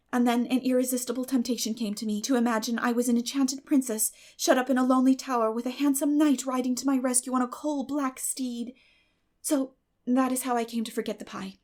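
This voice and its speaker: A woman's voice: high-pitched, darkish tone, lightly acted. A woman voicing a dreamy, dramatic young schoolgirl in an audiobook, effusive and earnest. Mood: apologetic, excitable.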